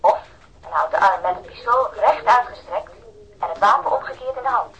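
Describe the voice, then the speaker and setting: A woman's voice: medium pitch, expressive, moderate pace, a bit bright, poor audio. An actress playing a cooperative female pathologist who speaks in a precise, formal, cautious way, in radio drama dialogue.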